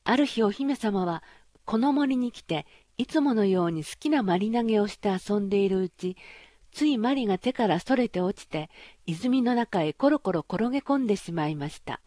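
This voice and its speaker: A woman reading a fairy tale aloud as an audiobook narrator, in a measured, gentle, formal way. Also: medium pitch, expressive, no room sound, studio quality.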